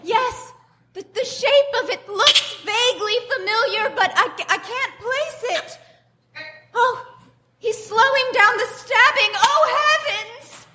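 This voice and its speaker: Woman doing a super high breathless scandalized housewife, slow dramatic radio play style, echoey noisy theater. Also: sharp tone, exaggerated voice. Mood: mounting horror. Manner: melodramatic, halting, gasping delivery. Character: breathless, scandalized, naive housewife witnessing through a window. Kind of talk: live comedic mock radio play acting. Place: small comedy theater stage.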